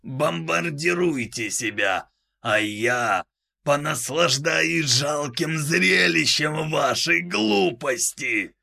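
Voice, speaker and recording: A demonic, gloating alien overlord speaks in a booming voice that seems to come from everywhere. Pitched high and strained, it sounds distant and unlike his usual timbre. He draws out each cruel taunt slowly and grandly. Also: creaky, sharp tone, heavily acted. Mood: mocking. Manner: slow, menacing, declamatory. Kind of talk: audiobook-style dramatic reading.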